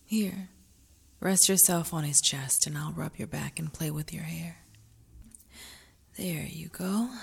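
Actress as a gentle, teasing caretaker, husky, slow and soft-spoken. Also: female voice, medium pitch, full character voice. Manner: soft, soothing, often whispering. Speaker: married woman caring for her lover. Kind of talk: adult audio roleplay.

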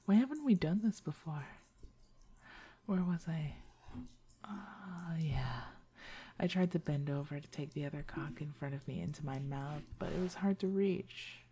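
A woman voicing a playful, devoted girlfriend, speaking in a hushed, whispery way. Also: deep voice, gravelly, a little hiss or hum. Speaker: voice actress in an intimate audio roleplay. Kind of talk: intimate whispered roleplay.

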